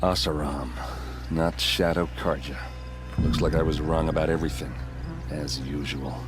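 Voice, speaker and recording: An actor playing a gruff, grieving tribal warrior in a video game, weary and self-deprecating. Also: male voice, extremely low pitch, fairly even intonation, moderate pace, very noisy. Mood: bitter, weary. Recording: dramatic music and game sounds behind.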